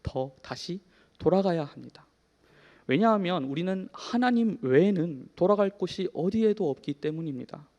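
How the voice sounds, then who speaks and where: A man in his thirties preaching a sermon in a church, telling a personal story in an earnest way, shifting from soft to emphatic. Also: sits high, lively intonation, moderate pace, muffled recording. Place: church hall. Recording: long hall reverb.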